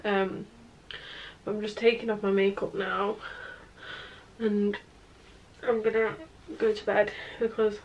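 A young woman vlogging at home, tired and in pain, talking in halting phrases with sighs. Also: mid-range voice, flat delivery, highs cut off. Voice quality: hoarse morning voice. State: in pain and exhausted. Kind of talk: casual vlog to camera. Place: at home, indoors. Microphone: phone camera held close.

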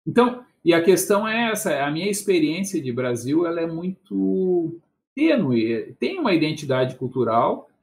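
With big pitch swings, a slightly mellow voice on the high side, and a moderate pace, a southern Brazilian man in his fifties rambles and chuckles as a debate guest. He's on a casual video call with a headset, speaking Brazilian Portuguese with a Porto Alegre accent and often adding tag questions.

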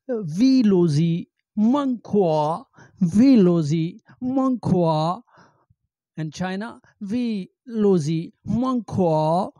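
A middle-aged man giving an amateur language lesson, halting and repeating phrases with many fillers, speaking into a handheld microphone in a small room. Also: high voice, lively intonation, dark tone, no room sound. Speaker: language teacher. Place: small indoor room with green backdrop.

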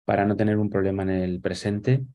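Deep gravelly man on a video call. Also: level tone, brisk, warm tone, dull audio. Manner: thoughtful, explaining with many fillers and restarts. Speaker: guest. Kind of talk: casual conversation on a video call. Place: small room at home. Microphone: webcam on a video call.

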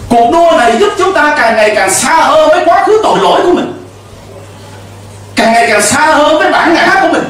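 A man's voice: very high-pitched, expressive, a little fast, a bit bright, heavy reverb, recorded from a distance, a little hiss or hum. A middle-aged man preaching a sermon from a church pulpit into a handheld mic, emphatic, with call-and-response to the congregation. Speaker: pastor. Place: church stage with pulpit and cross.

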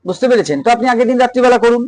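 A man's voice: very high-pitched, animated, rapid-fire, darkish tone, dry recording, rough recording. A man with a Bengali accent, a reiki teacher, patiently explaining a home ritual and checking that listeners follow. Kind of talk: spiritual advice talk.

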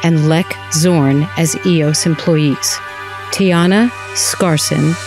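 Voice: mid-range voice, fairly even intonation, slow. An announcer reading scripted end credits for an audio drama. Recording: music under the voice. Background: theme music.

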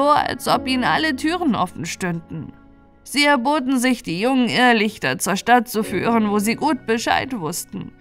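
A woman storyteller reading a bedtime fairy tale in an expressive, clearly phrased manner. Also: on the high side. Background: music.

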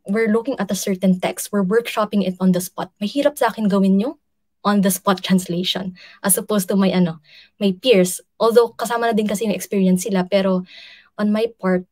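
A woman's voice: medium pitch, darkish tone, dry recording. A young woman with a Filipino accent answering questions on a video call, switching between English and Filipino with many fillers. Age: young adult. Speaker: guest speaker, literary translator. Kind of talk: casual lecture Q&A over video call. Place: indoors, virtual city background. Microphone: video call, earphones.

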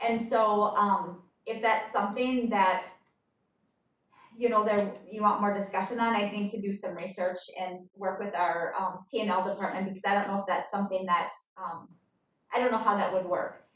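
A woman's voice: medium pitch, fairly even intonation, normal speed, fairly bright tone, far from the mic. Hedging woman on an echoey video call. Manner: careful, hedging, with frequent ums. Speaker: district finance staff presenting the budget. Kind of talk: explaining budget details at a board meeting.

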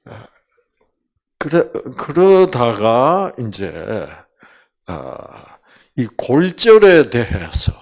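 An older man, a doctor, giving a storytelling lecture about healing, acting out quoted voices and dropping to near-whispers. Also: medium pitch. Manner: slow and animated, acts out quoted voices, drops to near-whispers.

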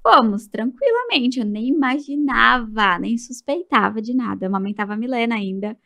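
A Brazilian woman in her thirties, a podcast guest, telling a story in an animated way and acting out the people in it. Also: on the high side, moderate pace, creaky. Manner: animated, acts out quoted voices. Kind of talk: casual storytelling interview.

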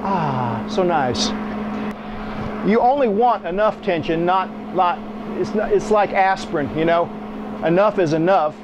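Very noisy audio with the highs cut off captures a middle-aged welding instructor in a small workshop. His high voice is animated but a little slow, and he keeps his blunt, folksy talk going while running the machine.

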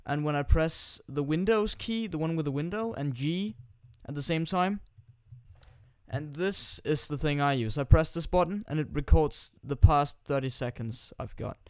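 A Danish teenage boy talks in a forced British accent, loose and joking with plenty of restarts. His voice sits a bit high and comes through smooth and clean. The sound is dry and close to the mic. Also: normal speed, no echo. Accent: put-on British accent. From Denmark. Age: teens. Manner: rambling, joking and crude, with frequent restarts. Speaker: gaming YouTuber. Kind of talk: casual screen-recording tutorial commentary. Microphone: new desktop microphone.

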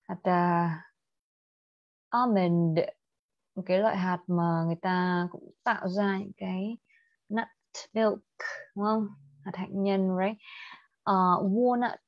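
A woman's voice: mid-range voice, steady tone, takes it slowly, long pauses, dry recording, dull audio. A young woman with a Vietnamese accent teaching an IELTS speaking lesson on a livestream, switching between Vietnamese and English and asking students questions.

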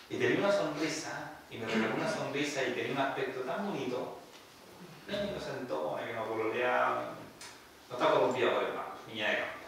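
A man, a priest, telling a story in a sermon at a retreat, animated and acting out what people said. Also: lowish voice, a little hiss or hum. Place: retreat hall. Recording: echoey room, far from mic.

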